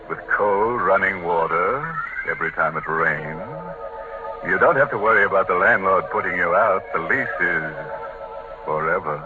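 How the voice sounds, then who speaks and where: Deep-voiced man hosting a 1940s radio horror show. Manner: mock-sinister, punning, with macabre jokes. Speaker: host and announcer. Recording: muffled 1940s radio broadcast with music.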